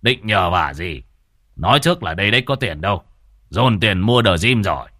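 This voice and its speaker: A man voicing a gruff, boastful older exorcist who talks bluntly. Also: lowish voice, sing-song, normal speed, bright, forceful tone, dry recording, studio quality, full character voice. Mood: mocking. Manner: blunt, mocking.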